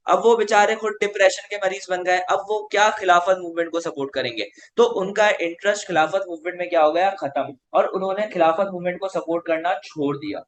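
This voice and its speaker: A man's voice: high-pitched, a bit bright. A male teacher with a Pakistani Urdu accent, giving an online class lecture and answering his own rhetorical questions.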